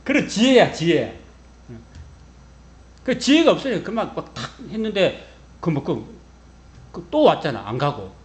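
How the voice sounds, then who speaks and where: A male pastor preaching a sermon, telling the story in a lively, humorous way and acting out the quotes. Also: fairly high pitch, a little slow, pauses often.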